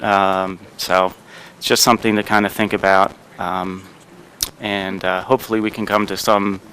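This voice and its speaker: A man serving as mayor, giving rambling remarks at a township council meeting with many pauses and fillers. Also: fairly low pitch, a bit bright, clear, resonant tone, rough recording. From New Jersey. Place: council chamber.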